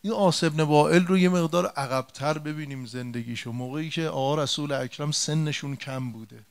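A man's voice: a little high, creaky, clean tone. A man preaching a religious sermon, retelling an old story in a colloquial way and turning to his listeners with direct rhetorical questions and emphatic repetition.

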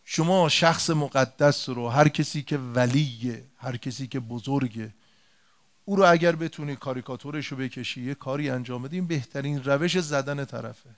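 In a religious sermon, a man with a mid-range voice casually retells an old story. He presses his listeners with rhetorical questions and leans on emphatic repetition.

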